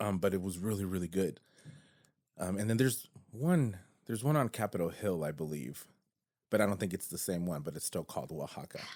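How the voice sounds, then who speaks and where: A man speaks at a fairly quick pace in a very deep, low voice, his intonation lively and broken by long, frequent pauses. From Mexico. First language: Spanish. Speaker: podcast host. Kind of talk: casual chat.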